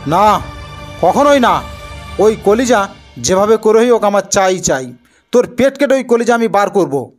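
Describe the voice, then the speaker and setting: A woman's voice: medium pitch, expressive, measured pace, long pauses, faint music behind. Woman playing a ruthless, insistent jeweller villain. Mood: threatening. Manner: emphatic, threatening, insistent. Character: ruthless, obsessive male jeweller, folk-tale villain.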